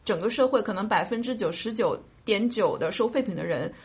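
A woman's voice: medium pitch, animated, a little fast, breathy edge, muffled recording. A woman co-hosting a podcast, discussing ideas casually and reflectively, arguing her case through probing questions. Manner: probing, argumentative, poses questions. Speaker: podcast co-host.

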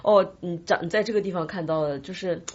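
A woman with a rough-edged, husky voice talks quickly in a casual podcast chat. She is an agreeable, chatty co-host. The recording is a little dull. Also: on the low side.

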